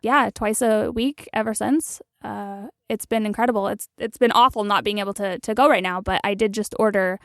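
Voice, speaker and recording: A woman's voice: mid-range voice, steady tone, normal speed, hardly any pauses, dry recording, studio quality. A young woman chatting as a guest in an interview, telling stories with lots of giggles and restarts. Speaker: guest player. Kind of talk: casual interview chat.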